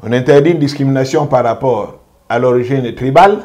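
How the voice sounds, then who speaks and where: A jurist being interviewed speaks at an ordinary middle pitch with a darkish tone. He offers commentary as a measured, emphatic legal argument, stressing each point and deliberately repeating it.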